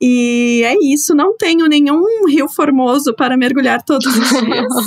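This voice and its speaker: A woman speaks in a São Paulo countryside accent with ordinary pitch variation. The sound is dry and close, with no echo. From interior of São Paulo state, Brazil. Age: 30s. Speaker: trend analyst. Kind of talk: podcast conversation.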